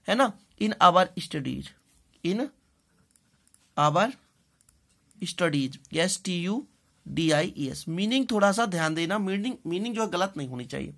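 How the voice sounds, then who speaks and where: Teaching English bilingually, this Indian-accented woman repeats phrases on purpose, spells out words, and keeps checking on her learners. She speaks on the lower side with lively intonation.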